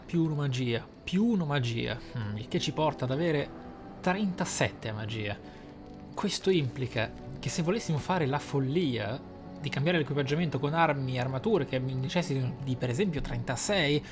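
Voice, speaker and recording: A man giving casual, excitable playthrough commentary, often thinking aloud. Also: medium pitch. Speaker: gaming channel host. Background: game music.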